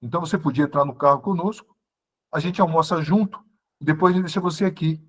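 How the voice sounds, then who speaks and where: A man's voice: on the high side, fast talker, natural voice. A man voicing a mysterious woman who keeps coaxing him to get into her car. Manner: insistent, coaxing.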